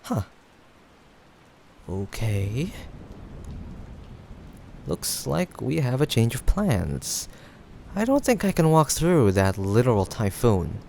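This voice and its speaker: A young man playing a playful, caring friend in a casual improvised audio roleplay, teasing yet reassuring, with hesitant pauses. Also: medium pitch, sing-song, creaky, warm tone, exaggerated voice. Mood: concerned. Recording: faint background noise, rain ambience. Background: rain sound effects.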